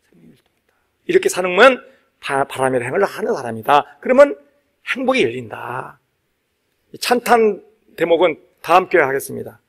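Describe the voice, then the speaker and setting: A male Buddhist monk delivers a dharma talk in a high-pitched voice. His intonation rises and falls dramatically as he urges his listeners on. He repeats key phrases and leaves pauses for emphasis. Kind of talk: sermon to a live congregation.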